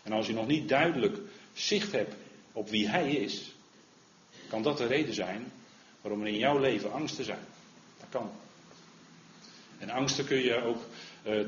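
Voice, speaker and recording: A man preaching a sermon in an earnest manner, often asking "hè?" and growing louder when he quotes the Lord. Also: mid-range voice, measured pace, pauses often, a little hiss or hum. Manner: earnest, rises in volume when quoting the Lord, frequent "hè?". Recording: roomy, slightly dull recording.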